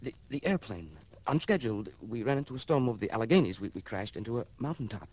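A man's voice: mid-range voice, expressive, fast talker, darkish tone, no room sound, natural voice. A man playing a jittery, stammering man in his thirties. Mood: nervous. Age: 30s. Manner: stammering, jittery, repeating words. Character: nervous, twitchy man in his mid-thirties. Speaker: client's brother. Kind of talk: 1960s radio drama acting.

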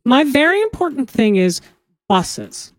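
A man voicing a creepy, menacing little neighbor boy in a high, drawn-out, sing-song voice for a comedy podcast bit. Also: very animated, no room sound, exaggerated voice. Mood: taunting.

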